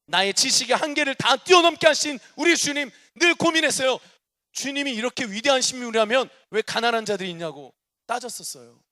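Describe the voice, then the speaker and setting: A man preaching a testimony sermon as a guest preacher. His delivery is animated, with loud declarations and soft asides. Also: high-pitched. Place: church sanctuary.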